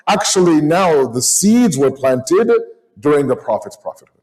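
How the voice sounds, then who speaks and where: A man's voice: medium pitch, a little mellow, low-quality recording. A man delivering a sermon as a Muslim cleric, conversational and storytelling, mixing in Urdu and Arabic terms. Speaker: Muslim cleric giving a religious lecture.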